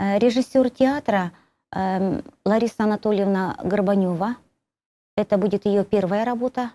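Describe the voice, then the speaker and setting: A woman speaks slowly in a dark, mellow tone with fairly even intonation. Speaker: ethnocultural center deputy director. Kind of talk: studio interview. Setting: studio. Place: studio. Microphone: lapel.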